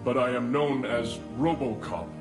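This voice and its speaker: A man playing an earnest cyborg police officer in a 1980s cartoon, speaking in a stiff, formal, measured way. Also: mid-range voice, lightly acted. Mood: calm, curious. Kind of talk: 1980s animated series acting. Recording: echoing voice over loud soundtrack music.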